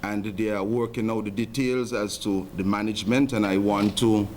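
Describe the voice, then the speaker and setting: A man official delivers a formal statement in measured, bureaucratic phrases. His voice sits low, with a faint ambience in the background. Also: steady tone, a little mellow, a little hiss or hum. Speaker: government official.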